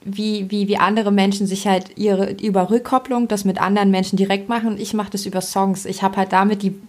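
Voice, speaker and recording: A young woman you might hear across a Berlin kitchen table, thinking out loud in loose slang on a chatty podcast. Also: medium pitch, flat delivery, brisk. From East Germany, raised in Berlin. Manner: rambling, self-reflective, slangy. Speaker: podcast co-host. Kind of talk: casual conversational podcast chat.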